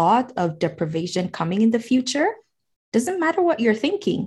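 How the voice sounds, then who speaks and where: A woman speaks at a moderate pace in a somewhat breathy voice. Her pitch is fairly high and swings very widely. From Nigeria. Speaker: intuitive eating coach. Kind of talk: casual chat.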